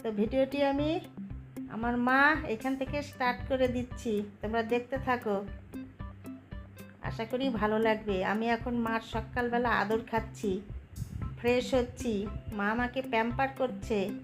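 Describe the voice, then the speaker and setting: A woman's voice: fairly high pitch, fairly even intonation, a little slow, pauses often, lightly acted. A woman speaking as her pampered pet cat, chattering sweetly in the first person over background music. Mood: contented.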